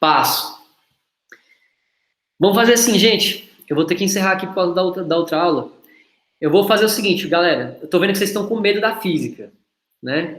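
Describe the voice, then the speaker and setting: A man with a high pitch talks at a fairly quick pace, with ordinary pitch variation. His speech has long, frequent pauses. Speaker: online prep course teacher. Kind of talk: live online class. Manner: casual, animated; fast.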